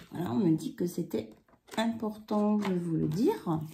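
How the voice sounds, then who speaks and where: The woman's voice is somewhat breathy, with a dark, mellow tone. Her pitch variation is ordinary. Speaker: tarot card reader. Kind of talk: card reading. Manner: hesitant.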